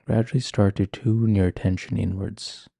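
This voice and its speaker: A man leading a guided meditation in a calm, gentle, measured manner. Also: fairly low pitch, gravelly, no echo, studio quality. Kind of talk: guided meditation, ASMR-like instruction.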